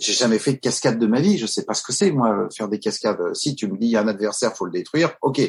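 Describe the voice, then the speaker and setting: Delivered at a very fast pace, the speech carries lively intonation. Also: man. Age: 60s. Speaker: stuntman and stunt school founder. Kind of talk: interview storytelling. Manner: hesitant with many fillers.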